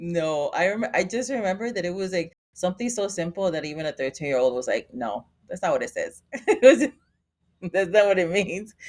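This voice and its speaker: The woman moves at a fairly quick pace. Her medium pitch carries lively intonation. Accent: Chicago. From Chicago, South Side. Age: 50s. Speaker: faith and mindset coach. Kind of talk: interview. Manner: animated.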